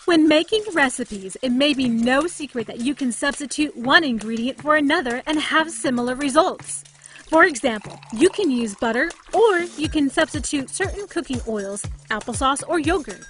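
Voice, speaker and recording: A woman's voice: high-pitched, lively intonation, moderate pace, a bit bright, soft background music. A woman narrator reading a scripted piece.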